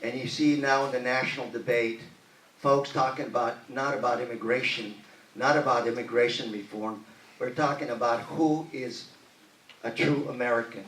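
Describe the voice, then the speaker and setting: A man answering as a candidate in a political debate, earnest and measured. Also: mid-range voice, fairly even intonation, fairly bright tone. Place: debate hall. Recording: echoey hall from far off.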